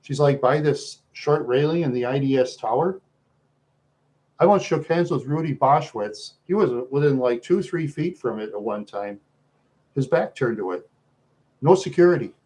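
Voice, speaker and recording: A livestream host with an American accent rambles casually to his viewers, talkative but halting. His voice is medium-pitched with a darkish tone.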